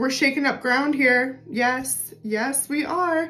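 A woman's high voice at a very slow pace, with faint music in the background. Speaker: tarot reader. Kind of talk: casual vlog chat. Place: home room.

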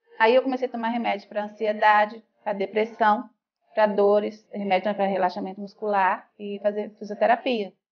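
A woman talks at a fairly quick pace with fairly even intonation. Hers is an unremarkable speaking voice, fairly high in pitch. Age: 40s. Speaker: patient. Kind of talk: testimony.

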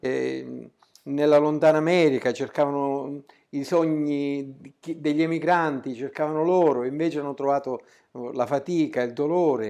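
A man with a fairly high pitch and a dark, mellow tone speaks with fairly even intonation against a quiet background. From Sicily, Favara (Agrigento); Sicily. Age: 70s. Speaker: retired primary school teacher, writer and musician; retired primary school teacher. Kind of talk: interview. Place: studio.

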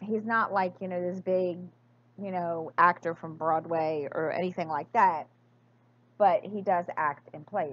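At a fairly slow pace, a woman speaks with fairly low pitch and fairly even intonation, though her loudness swings widely. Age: 40s. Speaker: craft YouTuber; craft vlogger. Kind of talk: casual vlog chat. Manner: rambling, halting with fillers. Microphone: phone near.

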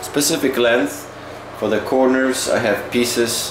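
Noticeable background noise fills the clip. Through it, a man talks fairly slowly. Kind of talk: tutorial. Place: bathroom. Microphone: camera far.

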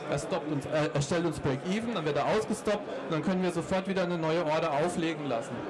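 A man at a high pitch and very fast pace, with very even loudness over noticeable background noise. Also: ordinary pitch variation. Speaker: trader; presenter. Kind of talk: presentation at trading fair. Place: hall. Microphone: too quiet; handheld.

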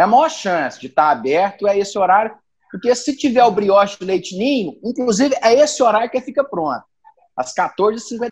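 In a Minas Gerais accent, a man with a high pitch speaks over a quiet background, his pitch swinging very widely. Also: moderate pace. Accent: mineiro Brazilian Portuguese. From Divinópolis, Minas Gerais, Brazil. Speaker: shop owner. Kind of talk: casual interview chat. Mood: relaxed, humorous storytelling. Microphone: video call.

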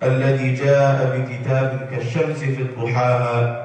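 Strong room echo surrounds a man talking at a very slow pace in a monotone, flat intonation. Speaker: preacher. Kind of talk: sermon. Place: church.

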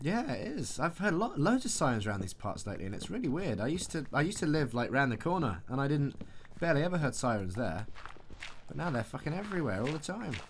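A man talks at a very fast pace with a fairly high pitch and very wide pitch swings. Noticeable background noise is present. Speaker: gamer. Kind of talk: casual gaming chat. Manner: laid-back, joking.

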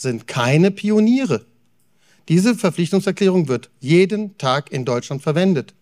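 Against a quiet background, a man with a high-pitched voice speaks at a moderate pace, his pitch swinging very widely. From Rhineland, Germany (Bonn); Rhineland, Germany. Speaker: industry association representative; conference speaker. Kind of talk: conference talk. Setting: stage with audience. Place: hall. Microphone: handheld.

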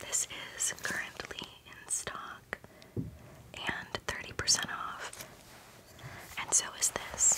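A woman whispers at a very slow pace. Her loudness swings widely. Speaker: candle seller. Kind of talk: soft-spoken product showcase. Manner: soft close-mic ASMR voice. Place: home room. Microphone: studio mic.

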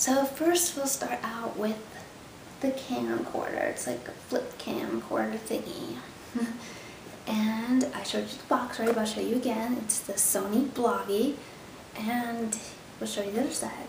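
Against noticeable background noise, a woman whispers at a fairly slow pace, stopping often for long pauses. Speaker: beauty and tech vlogger. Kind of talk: casual product review to camera. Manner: whispered. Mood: cheerful, playful. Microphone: phone near.

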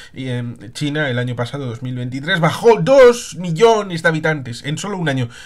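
Against a quiet background, a man speaks at a moderate pace with hardly any pauses, his pitch swinging very widely and his loudness shifting in big swings. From Spain. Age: 40s. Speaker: commentator on politics. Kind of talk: commentary monologue. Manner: halting. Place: home room. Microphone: webcam.

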